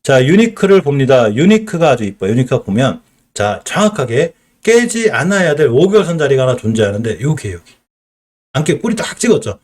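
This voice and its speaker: A man's voice: medium pitch, sing-song, a little fast, darkish tone. A middle-aged man with a Chungcheong accent, teaching stock charts on a live stream, explaining and asking and answering his own questions. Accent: Chungcheong Korean.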